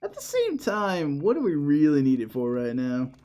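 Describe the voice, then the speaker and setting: A man's voice: on the high side, huge pitch swings, normal speed, mellow. A man co-streaming a game, talking casually as he reacts and asks questions. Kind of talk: casual playthrough chat.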